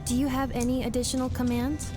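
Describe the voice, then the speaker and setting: A woman plays a dutiful female assistant from a video game. Her voice is fairly high, courteous and composed, with a businesslike manner. Music sounds clearly behind her. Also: flat delivery, fast talker, natural voice. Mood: polite, dutiful.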